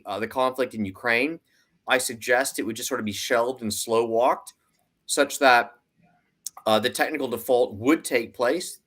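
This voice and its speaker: A man's voice: mid-range voice, fairly bright tone. A man giving conversational analytical commentary as a financial analyst, explaining emphatically and acting out hypothetical arguments.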